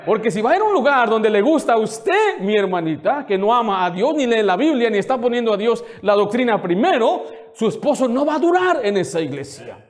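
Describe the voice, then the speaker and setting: A man with a notably high-pitched voice delivers a sermon as pastor. He preaches with fervor and indignation, pressing the congregation with one rhetorical question after another. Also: a little mellow. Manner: indignant, scolding.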